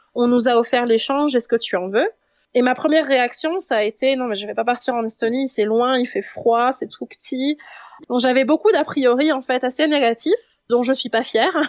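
A woman speaks at a high pitch and a moderate pace, with ordinary pitch variation. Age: 20s. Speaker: language teacher, former exchange student. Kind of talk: testimony.

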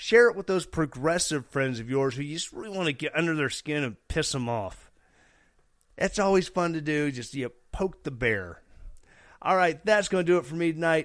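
At a moderate pace, a man talks in an ordinary speaking voice with a fairly high pitch. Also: lively intonation. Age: 30s. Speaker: political podcast host, infantry veteran. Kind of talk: casual political commentary. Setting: live online stream.

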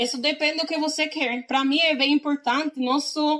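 A woman with a high pitch and ordinary pitch variation, at a fairly slow pace. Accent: Spanish. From Dominican Republic, Santo Domingo. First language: Spanish (speaking Portuguese). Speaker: former exchange student and language learner. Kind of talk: casual interview.

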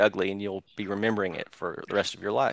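Against a quiet background, a man with an American accent speaks at a very fast pace in a fairly low pitch. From Oklahoma. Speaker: novelist and army veteran. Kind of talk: casual interview.

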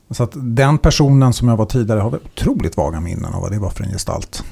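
A man's unremarkable speaking voice, fairly quick, with lively intonation. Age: 40s. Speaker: journalist. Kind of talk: casual chat.

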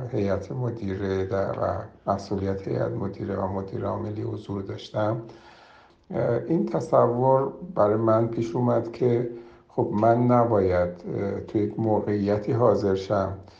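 A man's fairly low voice at a moderate pace, with ordinary pitch variation, long, frequent pauses, audible room echo and noticeable background noise. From Iran, Neyshabur. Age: 60s. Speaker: film director. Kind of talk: interview. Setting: phone call.

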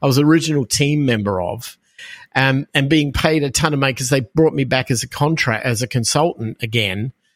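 A man talks at a fairly quick pace with an Australian accent. The sound is dry and close, with no echo. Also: medium pitch for a man, ordinary pitch variation, very clean recording, silent background. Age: 50s. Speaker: podcaster and website owner. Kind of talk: interview conversation.

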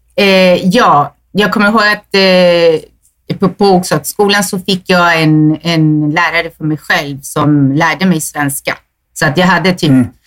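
This woman has a Spanish accent and a fairly low pitch, with ordinary pitch variation. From Sweden. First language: Spanish (speaking Swedish). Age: 40s. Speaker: guest, cousin of host. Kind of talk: casual chat.

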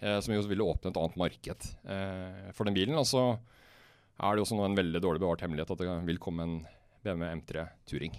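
In a very clean recording with a silent background, a man talks at a very fast pace with a very deep, low pitch and ordinary pitch variation. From Norway, Østfold (Hvaler). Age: 40s. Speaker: car company communications director. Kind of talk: casual chat. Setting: studio.

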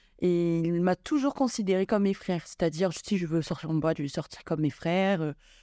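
On a very clean recording with a silent background, a woman with a fairly low, dark, mellow voice talks at a fairly quick pace with hardly any pauses and ordinary pitch variation. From Madagascar. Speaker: entrepreneur. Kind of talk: casual chat.

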